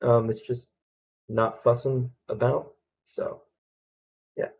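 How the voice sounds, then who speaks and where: A man from Alabama with a Southern accent, reacting to a video in casual commentary, halting with many ums and restarts. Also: mid-range voice, flat delivery, creaky, darkish tone, lo-fi sound.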